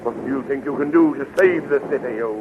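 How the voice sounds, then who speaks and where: A man's voice: medium pitch, quick pace, natural voice. An actor playing a blustering, suspicious king of winged warriors, imperious and declamatory, in 1930s radio serial style. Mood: grudging, suspicious. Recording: scratchy, tinny 1930s radio recording.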